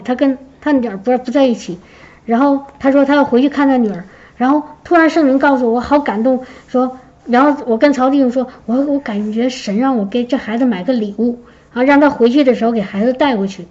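A high-pitched woman with a mellow, warm tone shares a personal testimony with her congregation. She tells her story in a lively, animated way. The recording sounds dull and lo-fi. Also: brisk. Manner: lively storytelling, acts out quoted speech. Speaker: church member giving a testimony.

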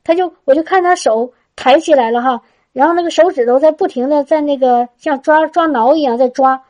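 High-voiced woman giving a church testimony. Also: brisk, a little mellow. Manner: chatty, with frequent restarts and a tag particle at phrase ends. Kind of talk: testimony storytelling to a congregation.

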